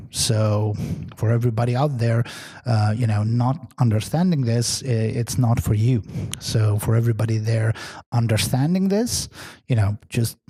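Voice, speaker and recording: A man with a Serbian accent, not a native English speaker, hosts his own podcast and talks in a casual, rambling way. His voice is mellow and darker than most, at a middle pitch. He restarts his sentences and fills the gaps as he goes. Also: slightly rough. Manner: chatty, loose, many fillers and restarts. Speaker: podcast host. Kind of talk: casual solo podcast talk.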